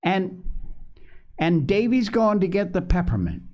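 A man's voice: a little high, sing-song, unhurried, gravelly, a little mellow, exaggerated voice. A man voicing a nervous, guilty little boy from a storybook, hesitant and repeating himself as he pleads. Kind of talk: storybook character reading.

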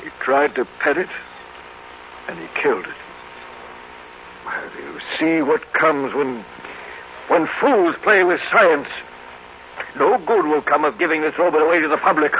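A haughty older professor acted by a man in a 1950s radio play, speaking in a fairly high male voice. He is stern, formal and pedantic, every phrase precise. The recording is dull, with light background noise. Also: unhurried, pauses often, close to an everyday voice. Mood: alarmed, grave. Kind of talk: 1950s radio drama acting.

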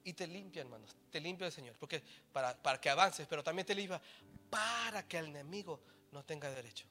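A man with a Latino Spanish accent preaching a bilingual sermon as a pastor, mixing English into his Spanish and swinging between loud, forceful passages and quiet, low emphasis. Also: expressive, brisk, faint music behind. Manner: switches between Spanish and English mid-sentence.

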